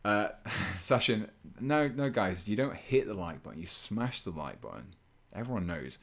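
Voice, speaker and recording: Male streamer, deep and even, relaxed chatty delivery at a painting desk. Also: moderate pace, vocal fry. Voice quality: low, fairly monotone voice. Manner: relaxed, chatty, chuckles often, reads chat aloud. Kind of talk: casual live stream chat while painting.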